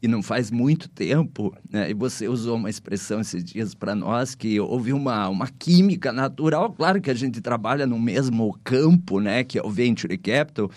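A man's voice: mid-range voice, expressive, moderate pace, hardly any pauses, a little mellow, dry recording. A man with a Brazilian accent hosting a casual podcast conversation, often checking in with little tag questions. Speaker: podcast host.

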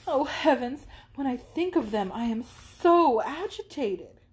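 A woman's voice: on the high side, animated, a little slow, darkish tone, poor audio. A woman reading aloud and voicing a gushing, theatrical young woman who swoons and drops into whispers.

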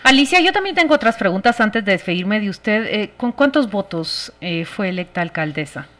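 A woman with a Guatemalan accent, hosting a radio interview and asking questions in a brisk, formal way. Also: medium pitch, very animated, a bit bright. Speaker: radio host.

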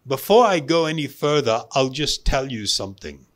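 A man giving a spiritual self-help talk as a meditation teacher, deliberate, with emphatic pauses and repeated phrases. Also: medium pitch, very animated, a bit bright.

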